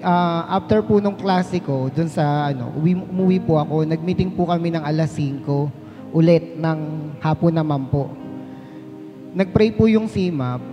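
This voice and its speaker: An earnest woman shares a polite personal testimony at a prayer meeting, retelling her prayers aloud. Her voice rings with long reverb through a church hall. The lo-fi recording sounds dull, with faint music underneath. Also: on the low side.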